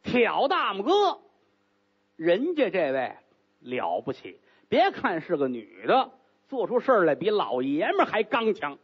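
Animated, husky male storyteller. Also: fairly high pitch, normal speed, muffled recording. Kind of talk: traditional comic storytelling.

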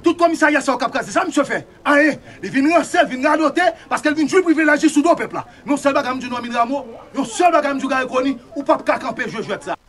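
A man with a Haitian accent, a panel guest giving fervent political talk, repetitive and now and then rising to a shout. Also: very high voice, quick pace, hardly any pauses.

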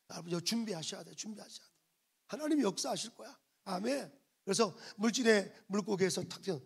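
Male pastor with a raspy voice, preaching to his church; keeps prodding the congregation for amens. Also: sits high. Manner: emphatic, repetitive prodding of the congregation. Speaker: senior pastor. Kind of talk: sermon. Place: church sanctuary.

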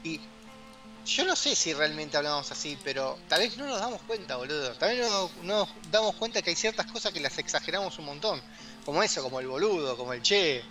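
A man with an Argentine Rioplatense accent co-hosting a podcast in relaxed, chatty talk full of asides. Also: fairly high pitch, a little fast, faint music behind. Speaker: podcast co-host. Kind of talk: casual chat.

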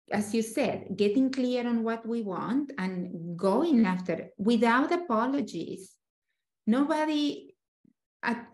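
A woman in her forties, a dating coach hosting, talking animatedly on a video call. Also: medium pitch. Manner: animated, gestures widely. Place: room with a painting, indoors. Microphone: video call webcam. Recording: echoey room.

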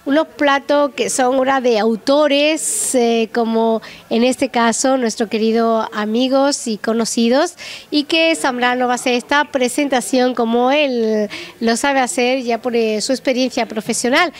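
Woman, middle-aged, high voice, chatty rambling interviewer, handheld mic. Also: steady tone, a little slow. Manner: rambling, chatty, tag questions. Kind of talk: presenting and interviewing. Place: small restaurant dining room, indoors.

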